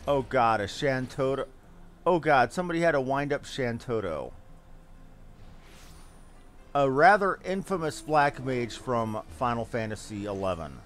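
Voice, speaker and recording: A man's voice: medium pitch, sing-song, a little slow, long pauses, a bit bright, faint music behind. A man giving casual commentary as he streams a game, sometimes muttering to himself.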